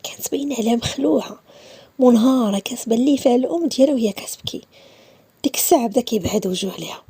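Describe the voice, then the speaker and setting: A woman's voice: a little high, rapid-fire, dark tone, slightly rough, no echo. A woman with a Moroccan accent narrating a dramatic story, dipping into whispers at tense moments.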